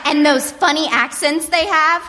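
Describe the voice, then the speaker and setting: A woman playing an excitable, gushing wife in a comic radio play, with theatrical delivery. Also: sits high, unhurried. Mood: chatty, teasing. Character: excited, gushing wife off to renew wedding vows. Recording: reverberant live theater stage, faint noise.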